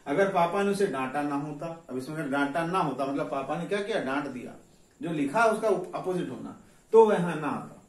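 A man teaching English grammar, slowly dictating example sentences in a classroom lesson. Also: fairly high pitch. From India. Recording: echoey room, voice from far off the mic.

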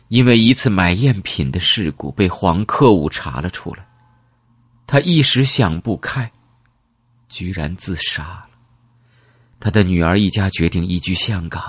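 Low, husky male audiobook narrator. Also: no room sound. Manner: emotive storytelling, first-person.

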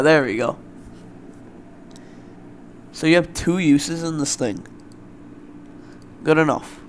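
A young man hosting a let's play, talking loosely with lots of fillers, his voice a bit raspy from the morning, at a desktop mic at home. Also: fairly high pitch, slight background noise. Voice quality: loose, rambling, filler-heavy. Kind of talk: casual gameplay commentary.

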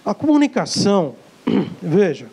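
A man's voice: high voice, big pitch swings, a little slow, creaky, warm tone, husky, poor audio. A man with a Brazilian Portuguese accent giving a live sales-coaching lecture to an audience, emphatic and repetitive, acting out short dialogues. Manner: emphatic, repeats key words, acts out dialogues.

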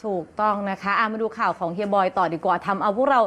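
Fast-talking woman news host. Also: medium pitch, fairly bright tone. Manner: chatty, reads items quickly with polite particles. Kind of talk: casual news chat.

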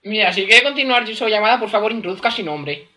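Young man, Spain accent, very high pitch, piercingly bright, joking mocking banter, noisy home recording. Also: lively intonation, fast. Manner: mocking, clowning. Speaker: YouTube gamer. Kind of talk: joking prank phone banter.

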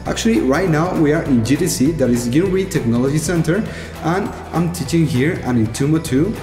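A young man from Chile talking casually to the camera as a volunteer teacher, friendly and animated. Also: on the high side, fairly quick. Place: large bright indoor hall. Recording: roomy hall with music.

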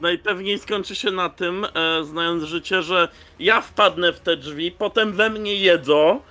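A man chats as a player in a tabletop game. His voice is high for a man and sharp-edged. Music plays softly behind his casual talk. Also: measured pace. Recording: music under the voice. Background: background music.

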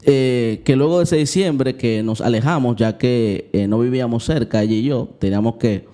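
A young man tells his own story to the camera in a candid, confessional way. His voice is mellow and warm, and its pitch sits in the middle range. He talks straight to his viewers and acts out the moments he describes. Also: moderate pace. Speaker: Christian vlogger. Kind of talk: personal storytelling vlog.

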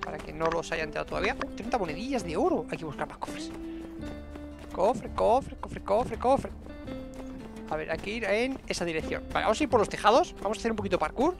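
A man's voice: high-pitched, lively intonation, very fast, vocal fry, few pauses, music in the background. A young adult man from Spain with a Spanish accent, giving casual, playful gameplay commentary as he chats to himself on a headset mic. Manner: chatty, playful self-talk with diminutives. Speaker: video game streamer. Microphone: headset microphone.

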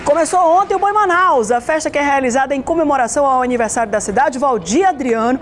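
Female Brazilian studio news anchor, thirties, high register, conversational and emphatic delivery. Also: fast talker, a little hiss or hum. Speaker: TV news presenter. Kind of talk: conversational news presenting with commentary.

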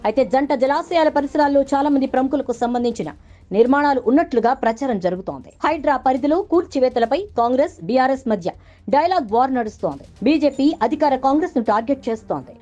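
A woman's voice: sits high, expressive, fast talker, warm tone. A woman reading a scripted news voice-over as narrator. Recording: dull lo-fi audio under music. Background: background music bed.

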